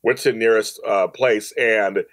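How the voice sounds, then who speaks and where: A man's voice: on the low side, steady tone, unhurried. A man speaking as a podcast guest, telling personal stories casually and emphatically, often repeating phrases for stress. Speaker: podcast guest, audio drama producer. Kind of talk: personal storytelling in a casual interview.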